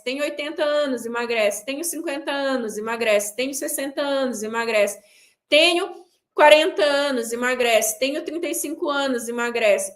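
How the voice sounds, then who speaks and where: Woman coach, high voice, punchy and emphatic, talks straight at the viewer. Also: fairly bright tone. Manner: emphatic, repeats a punchline in a clipped drop. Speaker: weight-loss coach hosting a pre-event class. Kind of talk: online class talk to viewers. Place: seated indoors.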